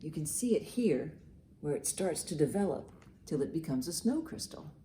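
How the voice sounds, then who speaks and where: A woman with a slightly low voice leads a storytime for young children. Her delivery swings widely in pitch as she reads and explains things simply and expressively. There is noticeable noise in the background. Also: big pitch swings, normal speed, mellow. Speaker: children's librarian, storytime host. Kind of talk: children's storytime, reading a picture book aloud and commenting.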